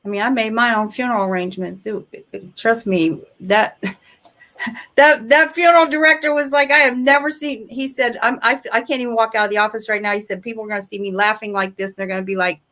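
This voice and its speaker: Woman guest w a kinda high voice, tells stories theatrically, motivational chat. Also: steady tone, brisk, bright, forceful tone. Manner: theatrical storyteller who acts out quoted reactions. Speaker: podcast guest, motivational speaker. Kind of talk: animated anecdote and motivational talk.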